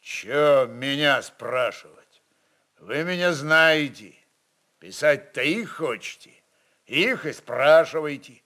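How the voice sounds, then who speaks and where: Give this voice to a fierce Cossack chieftain acted out by a man, defiant and blunt. He speaks in folksy dialect at a measured pace, pitched somewhat high for a man, as in a radio play. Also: lively intonation, bright, forceful tone, heavily acted. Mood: quiet menace.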